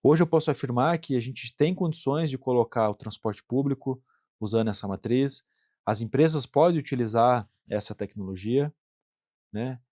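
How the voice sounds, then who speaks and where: A middle-aged Brazilian man talking as a guest in an interview, with a voice of average pitch. He speaks earnestly, circling back on words and tagging his points with little questions. The sound is dry and close, with no room behind it. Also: moderate pace, warm tone, no echo. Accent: Brazilian Portuguese. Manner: earnest, frequent "né" tag questions, repeats words. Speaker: industrial plant manager, guest. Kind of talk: conversational interview answers.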